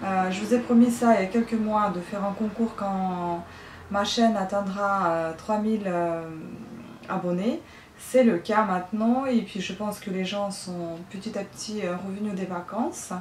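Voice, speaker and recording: A woman speaks with a Russian accent at medium pitch, fairly slowly and with fairly even intonation. There is noticeable background noise and audible room echo. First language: Russian (speaking French). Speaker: craft YouTuber. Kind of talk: casual vlog announcement. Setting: at home, window open. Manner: hesitant, many fillers.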